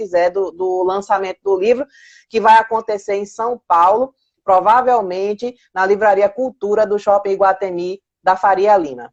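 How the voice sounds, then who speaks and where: A woman's voice sits at a medium pitch, her intonation fairly even and her pace moderate. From Pernambuco, northeast Brazil. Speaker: psychologist and speaker hosting a live. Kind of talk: live stream chat with audience. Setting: Instagram live video.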